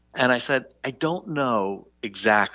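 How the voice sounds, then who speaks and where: Very slowly, a man speaks with lively intonation and a bright, sharp tone. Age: 60s. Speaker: startup founder and author. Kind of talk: podcast interview. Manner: conversational, with frequent fillers and restarts.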